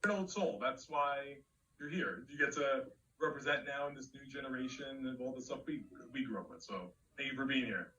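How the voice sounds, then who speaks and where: A man's voice: medium pitch, fairly quick, sharp tone. A man moderating a panel, enthusiastic and gushing. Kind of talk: panel discussion. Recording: distant, dull sound with faint noise.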